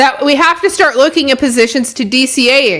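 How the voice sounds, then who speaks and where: A woman speaks in a raised, projected voice at a high pitch, animated and with lively intonation. Noticeable background noise runs underneath. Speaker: crypto show host. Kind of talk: live stream market commentary.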